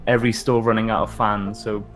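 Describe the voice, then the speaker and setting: A man's voice: lowish voice, flat delivery, a little fast, fairly bright tone, soft background music. A man from South Wales with a valleys accent, chatting casually as a podcast guest and often chuckling as he talks. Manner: chuckles often while talking. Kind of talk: casual chat.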